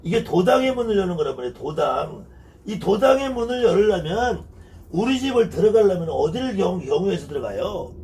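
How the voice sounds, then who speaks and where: Man in his fifties, shaman teacher, high voice with lively swings, emphatic, repeats key words. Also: a little fast. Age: 50s. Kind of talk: lecture on shamanic ritual.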